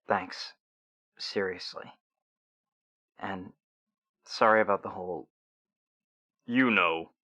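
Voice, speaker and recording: An actor playing an awkward, apologetic supernatural teenager on a radio drama phone-in, halting and sheepish. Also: low voice, fairly bright tone, no room sound, heavily acted. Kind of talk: scripted audio drama phone-in.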